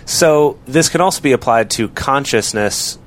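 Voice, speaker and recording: A man co-hosting a casual podcast discussion, explaining ideas in a measured way. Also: mid-range voice, expressive, a little hiss or hum. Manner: explanatory, measured, drawn-out words. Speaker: podcast co-host.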